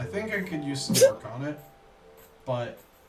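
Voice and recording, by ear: Over noticeable background noise, a man speaks at a fairly slow pace, his fairly high pitch rising and falling in very wide swings.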